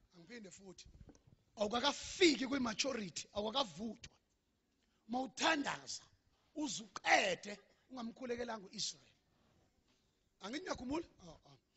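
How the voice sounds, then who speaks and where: A man with a South African accent and an extremely high pitch, passionate in tone with lively intonation, at a fairly quick pace broken by long, frequent pauses. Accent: South African, Zulu-accented English. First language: Zulu. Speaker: preacher. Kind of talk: fervent preaching on prayer, lapsing into intense rapid-fire intercessory prayer. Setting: church congregation. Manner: passionate, rising exclamations like oh my god, oh jesus.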